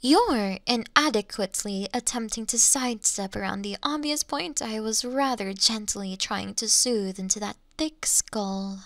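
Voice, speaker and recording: A woman playing an ancient, elegant monster in a Victorian fantasy audio drama, teasing her hunter in archaic, formal phrases with lingering pauses. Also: medium pitch, fairly bright tone, no room sound, clean studio sound. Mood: teasing, flirtatious. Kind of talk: slow theatrical roleplay monologue in Victorian fantasy audio drama.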